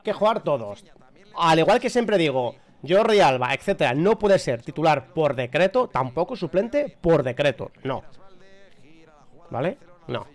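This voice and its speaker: Guy streaming a match reaction, kinda high voice, gets loud and hypes every goal. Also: unhurried. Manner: excitable, shouting at big moments, chatty asides. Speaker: fan reacting live to a match. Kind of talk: live football reaction stream.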